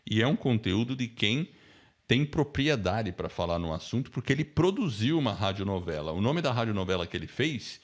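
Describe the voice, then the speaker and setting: Brazilian male course host, low-pitched, informal and conversational. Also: sing-song, brisk. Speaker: podcast course host and mentor. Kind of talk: casual spoken introduction to an online lesson.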